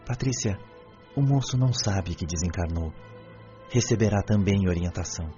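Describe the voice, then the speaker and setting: An actor playing a calm, fatherly spirit guide in a radio drama, speaking with kindly reassurance. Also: low voice, normal speed, lightly acted. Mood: reassuring. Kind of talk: audiobook radio drama acting. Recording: dull band-limited audio, faint music.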